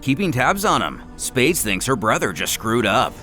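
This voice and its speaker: A man giving an animated, dramatic scripted narration of a manga story, as a narrator and host. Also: mid-range voice, moderate pace, over loud music.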